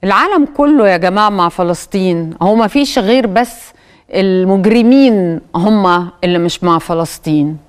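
A woman's voice: medium pitch, expressive, normal speed, smooth. A woman with an Egyptian accent hosting a TV talk show, commenting on clips with hesitant fillers. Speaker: TV host.

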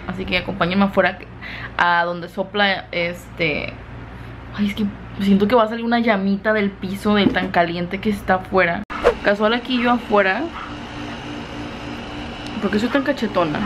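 A woman's voice: medium pitch, noisy background. A young woman chatting casually to a handheld camera at home, sleepy and rambling. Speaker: beauty vlogger. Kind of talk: casual vlog chat to camera. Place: home, indoors and out in the yard.

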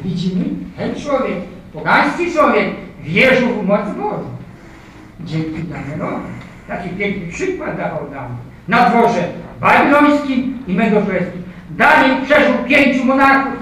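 A man's voice: high voice, a bit bright, a little hiss or hum. An older man preaching a sermon, addressing listeners as "kochani moi", reading Bible verses aloud and asking the congregation rhetorical questions. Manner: asks the congregation rhetorical questions, frequent "prawda?" and "tak?". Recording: echoey hall, distant mic, faint ambience.

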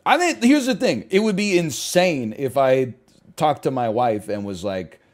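A man in his thirties chatting while he plays, at a middling pitch. He riffs in an animated way, jumping between loud bursts and muttered asides, heard close on a headset mic in a small home room. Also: unhurried. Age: 30s. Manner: animated riffing, swings loud and quiet for bits. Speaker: streamer. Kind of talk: casual gaming stream chat.

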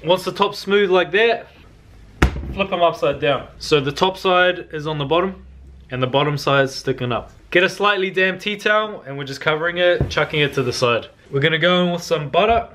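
A young man with a voice a little higher than most men's. He talks like a cooking vlogger, giving laid-back, slangy instructions in a casual style. He is recorded in a home kitchen. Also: normal speed, fairly bright tone, slight background noise. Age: young adult.

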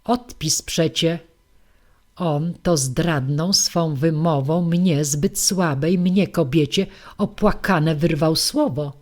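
A woman with a fairly low voice reads classic verse aloud at a slow, unhurried pace. Her delivery stays measured and even from line to line. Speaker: audiobook reader. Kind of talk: reading a verse comedy aloud.

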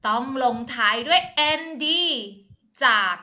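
A Thai woman teaching a primary English class on a video call, explaining in Thai and slowly modelling English words for the children. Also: high voice, lively intonation, bright, forceful tone, dull audio. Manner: slow, patient, drawn-out model pronunciation of English words.

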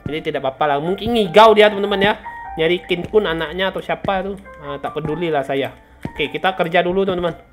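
A young woman giving casual let's-play commentary, chatty, repeating words in quick bursts and often addressing her viewers. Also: fairly low pitch, faint music behind. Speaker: gaming channel host.

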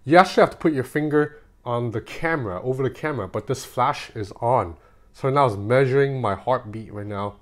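A man's voice: mid-range voice, a little fast. A man in his thirties giving a casual, conversational hands-on tech review in an informal way.

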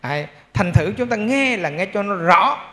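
A man's voice: high voice, lively intonation, normal speed, pushed and bright. A male Buddhist monk with a Central Vietnamese accent giving a dharma talk in a temple hall. He talks conversationally, checks in with his audience and adds humorous asides.

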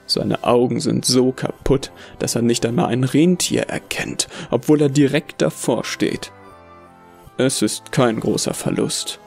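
A man's voice: medium pitch, fairly even intonation, unhurried, vocal fry, darkish tone. A man narrating a horror audio drama as a bitter, delusional Santa, brooding and contemptuous. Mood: brooding, cold. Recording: music behind the voice.

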